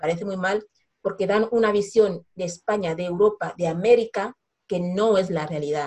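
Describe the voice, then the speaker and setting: A woman speaks in a plain, everyday voice at a medium pitch. Her pace is moderate and her pitch varies an ordinary amount. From Equatorial Guinea, Bata; partly raised in Cameroon and Gabon. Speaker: movement founder and social media activist. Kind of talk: interview conversation.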